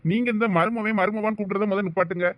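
Man for a protective, lecturing young villager, Thoothukudi Tamil, very fast talker. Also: sits high, steady tone, no echo, muffled recording, natural voice. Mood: scolding. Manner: brisk, teasing, lecturing.

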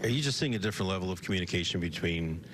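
A male reporter with a very deep voice asks long, conversational questions at a press conference. Steady background noise sits under the broadcast audio. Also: rapid-fire.

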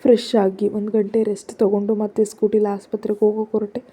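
Soft dark-toned woman storyteller. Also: mid-range voice, little pitch movement, brisk, slightly rough. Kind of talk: first-person story narration.

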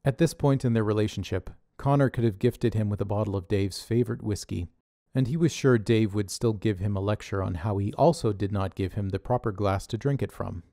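A man's voice: on the low side, brisk, hardly any pauses, mellow, no room sound. A man narrating a scripted audio drama with dry, wry humor. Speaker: narrator and writer.

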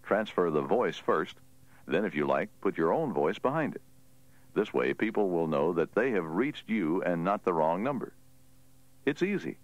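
A man's voice: deep voice, big pitch swings, normal speed, no room sound, highs cut off. A man working as an announcer, reading scripted instructional narration.

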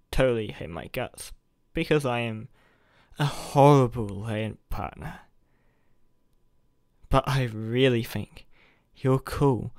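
A man's voice: mid-range voice, a little mellow, no echo, studio quality, close to an everyday voice. A young man playing an awkward, earnest college student who is secretly a superhero, in a roleplay audio with hesitant delivery. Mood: nervous, rambling.

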